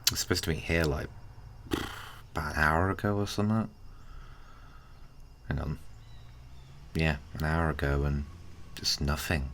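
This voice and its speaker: A man playing a laid-back, kind, teasing male friend in an ASMR roleplay, chatting casually and haltingly to the listener. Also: a bass voice, fairly even intonation, a little hiss or hum. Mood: awkward, let down. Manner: hesitant, halting, colloquial, with sighs and soft chuckles.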